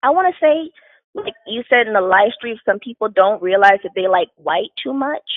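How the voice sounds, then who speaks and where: This woman talks at a moderate pace. Her pitch swings very widely and her loudness rises and falls sharply. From Louisiana. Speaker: caller. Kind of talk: casual chat. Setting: phone call. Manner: halting. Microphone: connection cutting out.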